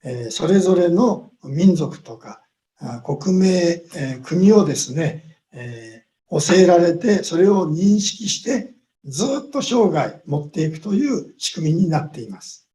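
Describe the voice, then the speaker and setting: A man giving a lecture in short measured phrases, pausing often with long drawn-out fillers so an interpreter can follow, heard over a video call. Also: a little high, animated, warm tone. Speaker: guest speaker.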